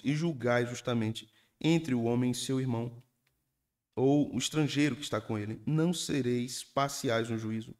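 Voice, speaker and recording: Animated pastor. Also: male voice, mid-range voice. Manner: animated storytelling, acts out congregants. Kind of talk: sermon.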